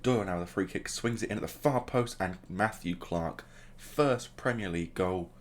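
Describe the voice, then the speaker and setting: A man's voice: low-pitched, normal speed. A man hosting a gaming video, casually commentating the play as it happens and adding joking asides. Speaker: gaming channel host.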